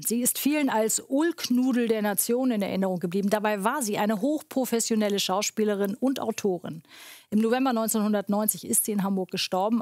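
A woman's voice: medium pitch, a little mellow, no room sound, clean studio sound. A woman presenting the news and handing over to the weather. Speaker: news anchor.

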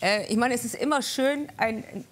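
A woman's voice: on the high side, normal speed, slight background noise. A woman from the Basque Country, whose first language was Basque, talking casually as a guest on a TV talk show and searching for words as she goes. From Spain, Basque Country. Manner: thoughtful, searching for words with many fillers. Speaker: panel guest, musician.

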